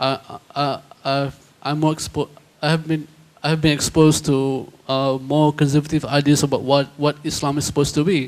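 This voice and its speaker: A man speaks with a Malaysian accent at a moderate pace. His pitch is fairly high, and his intonation is flat and monotone. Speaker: audience member at forum. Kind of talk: audience question at roundtable. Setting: conference room. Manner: halting, many repetitions and false starts.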